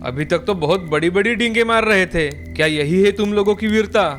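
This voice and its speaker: Shrewd old village elder, deep and stern, scolds the cowards — a woman doing the voice. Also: faint music behind, natural voice. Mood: scolding. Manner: gruff, scolding, measured.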